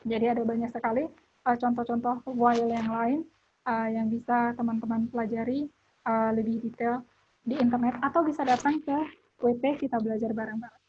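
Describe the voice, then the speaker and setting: A woman teaching a French lesson over a video call, pausing often with filler sounds. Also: on the high side, little pitch movement, slight background noise. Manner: hesitant, many filler sounds. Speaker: French language tutor. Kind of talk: online lesson. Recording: dull lo-fi audio.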